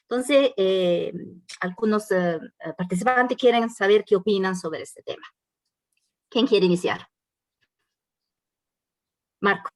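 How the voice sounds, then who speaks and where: A woman's voice: medium pitch, slow, pauses often, no room sound. A woman moderating a panel discussion, reading out audience questions with hesitant fillers.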